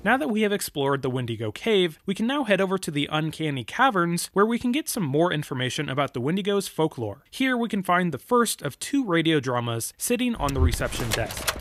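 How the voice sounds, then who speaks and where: A man's voice: a little high, very animated, brisk, a bit bright, no echo, studio quality. A man giving scripted narration as the host of a video game lore channel.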